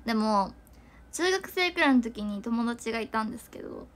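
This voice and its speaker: A woman's voice: on the high side, expressive, normal speed. A young woman chatting casually to viewers on a livestream, giggling and rambling with lots of fillers. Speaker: idol livestreamer.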